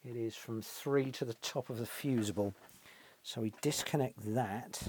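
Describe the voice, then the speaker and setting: A middle-aged British man, an electronics technician who hosts a repair channel, talks casually through a hands-on fix in a small, cluttered indoor workshop. His mid-range voice is unhurried and darkish in tone, with a little hiss or hum in the audio. He thinks aloud, often tacking questions onto the end of his remarks.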